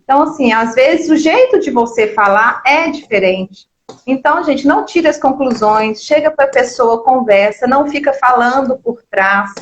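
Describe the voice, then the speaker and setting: A woman's voice: sits high, expressive, normal speed, a little hiss or hum. A woman co-hosting a Catholic book club, talking earnestly with many fillers and repeated words. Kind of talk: casual religious discussion. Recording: echoey, somewhat dull online stream.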